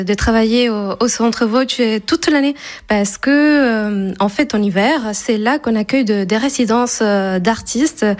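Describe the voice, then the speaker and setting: A woman from Spain in her thirties with a Spanish accent, answering radio interview questions with many fillers and restarts. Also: on the high side. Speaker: festival staff guest.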